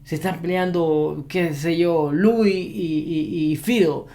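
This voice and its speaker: A man's voice: fairly high pitch, takes it slowly, warm tone. A man who trains dogs giving an advice monologue to camera, repeating his key points with emphasis. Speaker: dog behavior trainer.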